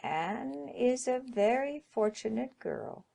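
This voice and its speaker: A woman voicing a prim, reproving older aunt, speaking slowly with a creaky voice. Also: on the high side, expressive, warm tone, exaggerated voice.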